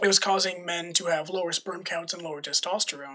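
A man's raised, projected voice, high in pitch, at a fairly quick pace with fairly even intonation. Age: 20s. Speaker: podcast co-host. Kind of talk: casual chat.

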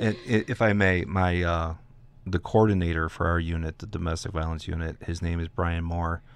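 A man's very deep, low voice at a moderate pace, with fairly even intonation against a quiet background. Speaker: domestic violence advocate, law enforcement. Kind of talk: radio interview. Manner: relaxed.

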